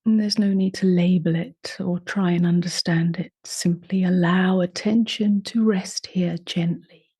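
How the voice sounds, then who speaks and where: A woman leading a guided meditation in a soft, unhurried voice that often drops to a half-whisper. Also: on the low side, fairly even intonation, breathy edge, no echo, studio quality. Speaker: meditation teacher.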